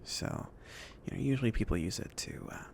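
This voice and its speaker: A man playing a chill, considerate mage in an ASMR fantasy roleplay, speaking softly in a casual, hesitant, reassuring way. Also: fairly low pitch, lively intonation, brisk, gravelly, slight background noise. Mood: calm, explaining. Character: chill, considerate mage sending an apprentice on errands.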